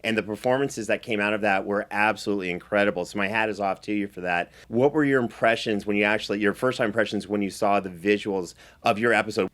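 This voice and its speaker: Low-pitched male host. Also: quick pace, few pauses, fairly bright tone. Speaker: host and series producer. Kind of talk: conversational interview.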